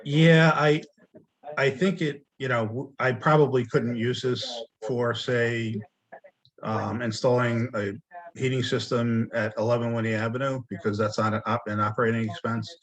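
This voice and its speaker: A man presenting a loan at an online board meeting, talking haltingly with many restarts while losing his voice and clearing his throat. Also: medium pitch, steady tone, low-quality recording. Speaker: land bank staff presenting a loan.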